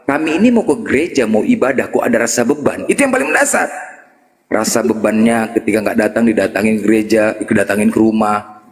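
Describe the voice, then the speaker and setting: A man's voice: on the low side, lively intonation, a little fast. A man telling a story in a debate chat, teasing, laughing and mimicking the people he quotes. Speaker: Muslim apologist debater. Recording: echoey room with long reverb.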